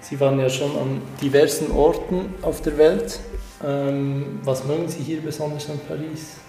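A man's voice: a little high, fairly even intonation, moderate pace, mellow, soft background music, low-quality recording. A man with a Swiss accent speaking as a podcast host and interviewer in a conversational style.

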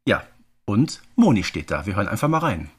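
A man's voice: lowish voice, sing-song, fairly quick, background noise. A man co-hosting a podcast, explaining things in a casual but methodical, informative way. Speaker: podcast co-host.

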